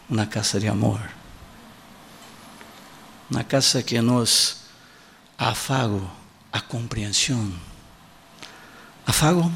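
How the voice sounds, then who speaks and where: Slow, gravelly-voiced Portuguese-speaking preacher. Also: male voice, medium pitch, a bit bright, a little hiss or hum. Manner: repetitive emphatic preaching, acts out quoted voices; halting Spanish with Portuguese words. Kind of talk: sermon.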